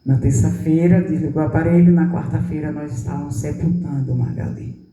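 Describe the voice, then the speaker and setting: Uma mulher de setenta anos com sotaque nordestino brasileiro, pregando como apóstola e contando um testemunho emocionado, imitando as falas das pessoas e baixando a voz com ternura. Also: female voice, low-pitched, steady tone, fairly quick, a little hiss or hum. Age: 70s. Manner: tender storytelling, acting out quoted dialogue, voice dropping soft. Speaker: apostle preaching. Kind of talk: emotional testimony in a sermon. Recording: roomy hall, voice from a distance.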